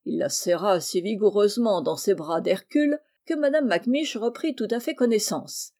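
A woman narrating a classic novel aloud in a steady, clear storytelling manner. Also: medium pitch, normal speed. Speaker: audiobook narrator.

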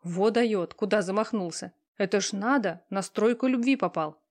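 A woman voicing a pushy, talkative young female friend who teases and lectures loudly. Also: medium pitch, moderate pace, natural voice. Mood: bossy. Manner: loud, teasing, talkative.

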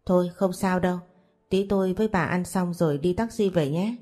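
A woman's voice: on the low side, brisk, mellow, lightly acted. A woman voicing a scheming young woman who feigns friendliness, in a storybook reading. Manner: falsely friendly.

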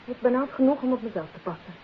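A woman's voice: fairly high pitch, lively intonation, fast talker, lightly acted. A woman playing a guarded, independent young daughter in a 1950s radio play, defiant and reluctant in clipped replies. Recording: tinny, hissy 1950s radio recording.

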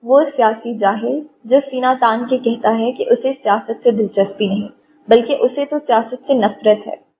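A woman voicing a stern middle-aged male politician who speaks in a heavy, commanding way and lectures gravely. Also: fairly high pitch, close to an everyday voice. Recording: tinny phone-like audio, faint hiss.

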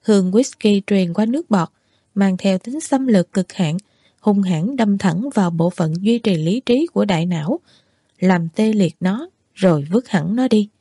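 A woman reading a novel aloud as an audiobook narrator, in steady, measured first-person narration. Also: medium pitch, no room sound, studio quality.

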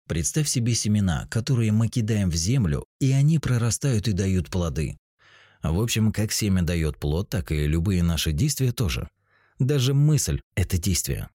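A man in his forties narrates a spiritual self-help teaching, calm and explanatory. His voice sits very low with a mellow, dark tone. The recording is dry and close, with no room around it. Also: no echo. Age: 40s. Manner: calm, explanatory, addresses the listener directly.

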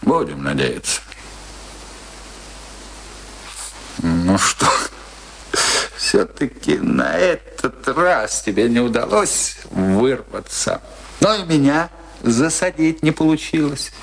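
A mercurial, wry ageing husband. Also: male voice, mid-range voice, sing-song, slow pace, creaky, exaggerated voice. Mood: wry, teasing. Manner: theatrical, musing, swinging between teasing and brooding. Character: ageing husband in a bitter long marriage, wry, philosophizing, mercurial. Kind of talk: Russian radio play acting, dramatic dialogue.

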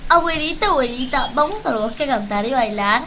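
A woman's voice: sits high, expressive, brisk, a bit bright, a little hiss or hum. A woman voicing Little Red Riding Hood and her timid grandmother in rhymed, repetitive storybook lines for a children's radio play. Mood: playful.

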